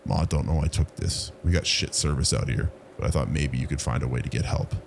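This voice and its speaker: Man voicing a gravelly, earnest country boy. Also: a bass voice, brisk, slight background noise. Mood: earnest, urgent. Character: timid, apologetic rural boy cousin, secretly helpful. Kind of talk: horror story character voice.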